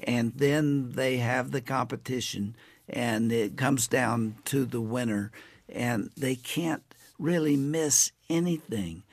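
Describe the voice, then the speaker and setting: An older man hosting a radio interview show, speaking deliberately in a studio. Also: medium pitch, creaky, no room sound. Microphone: studio microphone.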